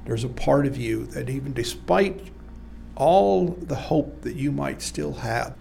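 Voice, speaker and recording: Middle-aged guy on death row, halting, lots of uhs, gravelly fry, bit of faint room noise behind. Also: mid-range voice, animated, dark tone. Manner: halting, many fillers. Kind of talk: recorded interview and reading his own writing.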